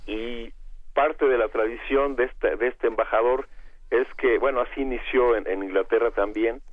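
A man with a Mexican accent and a hoarse, cavernous voice from bronchitis, speaking haltingly as a guest in a radio interview over a phone line. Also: mid-range voice, steady tone. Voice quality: cavernous, congested voice. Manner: halting, hesitant, searching for words.

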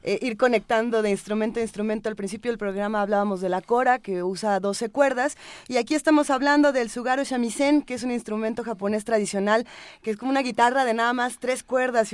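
A woman hosting a radio program, presenting music with enthusiasm and answering her co-host with quick "ujú" sounds. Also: on the high side, dry recording.

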